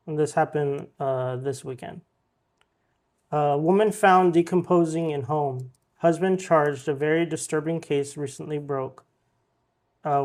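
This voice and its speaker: A man hosting a podcast, casually reading out news stories with plenty of ums and uhs. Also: fairly high pitch. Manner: relaxed, reads headlines with filler ums and uhs.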